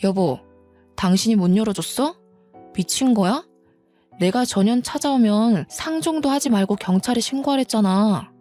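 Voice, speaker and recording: A woman's voice: on the high side, animated, moderate pace, mellow, faint music behind, lightly acted. A woman voicing a cold, arrogant older sister who talks down with contempt. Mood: scornful. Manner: contemptuous, scolding.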